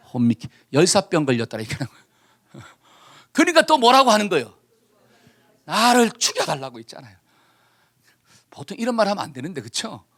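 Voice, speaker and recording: Male pastor, high lively voice, animated sermon, colloquial, acts out dialogue. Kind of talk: sermon with call-and-response scripture reading.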